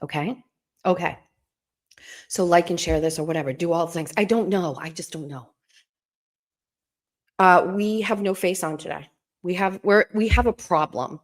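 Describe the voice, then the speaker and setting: A middle-aged woman hosting a live stream from home, chatting in a hushed, rambling way so she won't wake anyone. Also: normal speed, long pauses. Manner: talking low and hushed to keep from waking someone; chatty and rambling, full of asides and restarts.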